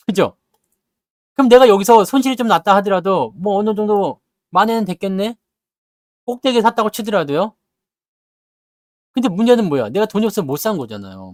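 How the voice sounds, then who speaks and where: A man giving casual stock market talk, scolding his viewers with blunt rhetorical questions and acting out their grumbling in quick asides. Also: high voice, no room sound, studio quality.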